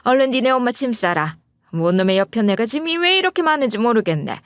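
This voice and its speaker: A woman's voice: fairly high pitch, sing-song, a little fast, no room sound, clean studio sound, pitched above the performer's own voice. Woman playing a bossy, scolding mother-in-law. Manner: brusque, scolding.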